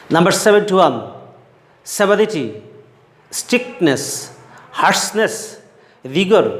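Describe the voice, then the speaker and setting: Bangladeshi guy teaching english vocab, reads word lists slow, kinda high voice, big echoey room. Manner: reads synonym lists word by word, explains in Bengali. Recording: echoey room with long reverb.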